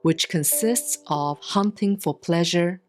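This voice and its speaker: A woman giving a solemn, scripted reading of scripture in measured, deliberate phrases with frequent pauses. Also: fairly low pitch, soft background music. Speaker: sutra reader, Buddhist nun.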